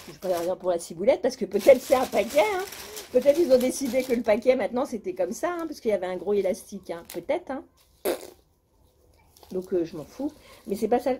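A woman's voice: on the high side, mellow, slight background noise. A woman vlogger chatting casually at home, chatty and complaining. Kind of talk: casual chat.

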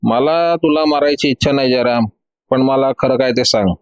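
A man's voice: medium pitch, normal speed, smooth, no room sound, close to an everyday voice. A man voicing a stern middle-aged police inspector who questions sharply and commandingly.

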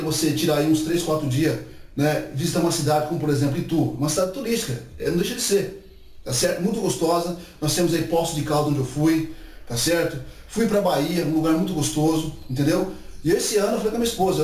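A man, chatting to camera in a casual vlog and tagging his sentences with little checks like "right?". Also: fairly high pitch. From Brazil. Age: 40s. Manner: chatty, animated gestures, many filler tags like "né" and "tá certo". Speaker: YouTube channel host. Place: indoor room before a painted wall. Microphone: camera mic from a few meters away. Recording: echoey room, far from the mic.

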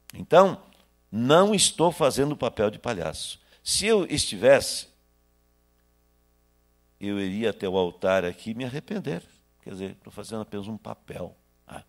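A Brazilian pastor in his sixties preaches a sermon in a small church hall, holding a microphone in his hand. His lowish voice swings between loud bursts and hushed asides.

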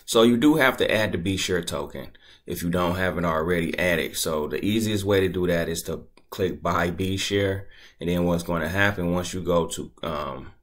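A man casually talking through a screen-recorded tutorial at his computer, laid-back and thinking out loud as he goes. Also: sits low, normal speed. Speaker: crypto tutorial creator.

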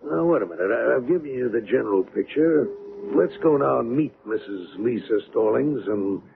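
A by-the-book police sergeant in a 1970s radio drama. His voice is gravelly and medium-pitched, his manner folksy and halting. The broadcast sound is narrow and old. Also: expressive. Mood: explaining. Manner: folksy, hesitant, procedural. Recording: muffled, noisy old radio recording.

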